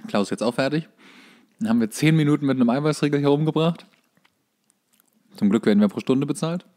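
A man's voice: a little high, fast, warm tone. A man co-hosting a podcast in casual banter, with a dry, ironic sense of humour. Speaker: podcast co-host, stage fight choreography instructor.

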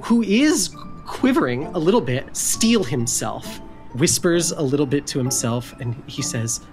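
Game master, woman, low register, narrating play over soft music. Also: lively intonation, unhurried. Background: faint music.

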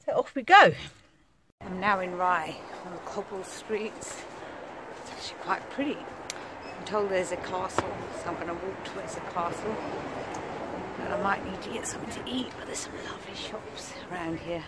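A middle-aged woman vlogging casually from her phone outdoors, chatty, laughing often and dropping into breathy asides. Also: fairly low pitch, moderate pace, heavy background noise. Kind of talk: casual vlog narration. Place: outdoors on windy coast and town streets. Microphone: phone at arm's length.

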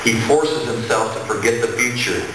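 A man's voice: mid-range voice, normal speed, noisy background. A man in his thirties, a priest giving a sermon from a lectern in a large church, with an earnest, repetitive preaching cadence. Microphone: gooseneck mic on a lectern. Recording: echoey church from far off.

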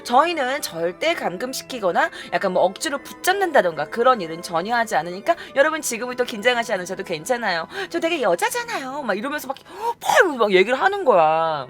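A young woman vlogger telling a story in a casual chat style, acting out the people she quotes. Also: on the high side. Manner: animated, acts out quoted people.

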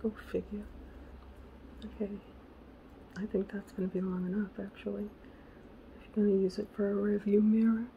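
A woman hosting a casual crafting tutorial, chatty and correcting herself, her voice raspy because she is losing it. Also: medium pitch, little pitch movement, normal speed, pauses often, phone-quality sound, a little hiss or hum. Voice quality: gravelly. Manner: chatty, self-correcting, muttering asides to herself. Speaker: craft channel host.

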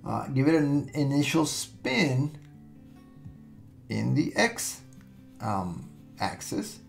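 A man walking through a software tutorial step by step, relaxed and thinking aloud with fillers and restarts, recorded at his computer with soft music underneath. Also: mid-range voice, very slow, creaky.

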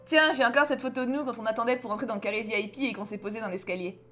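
A young adult woman with a French accent, chatting and joking loudly as she plays and reads a story game aloud. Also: a little high, very fast, faint music behind. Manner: chatty, expressive, joking, swings between loud outbursts and mutters. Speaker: streamer playing a story game. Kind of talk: casual gameplay commentary, reading game dialogue aloud.

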